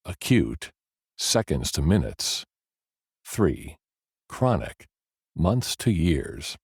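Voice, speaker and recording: A deep male voice with a husky grain narrates a self-help audiobook. His intonation moves in lively swings while the delivery stays measured and explanatory, with deliberate pauses. The sound is close and dry. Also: no room sound.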